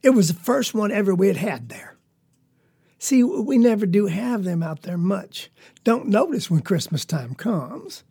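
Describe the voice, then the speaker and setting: A man telling the tale as an earnest poor country boy with a rural Southern US accent. He rambles along in a folksy drawl with a gravelly, husky grain to the voice. The tone stays sincere and simple. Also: sits high, big pitch swings, measured pace, mellow, heavily acted. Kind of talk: storytelling monologue.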